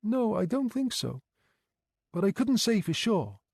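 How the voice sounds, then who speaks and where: A fretful young care worker woman, as a male storyteller puts her on, her voice lifted high and trembling with worry. She pleads and explains in lively rises and falls, close to tears. The sound is warm and dry, right up at the mic. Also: a little slow, creaky, slightly rough, dry recording, full character voice. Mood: worried. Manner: tearful, worried, pleading. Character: anxious young female night care worker.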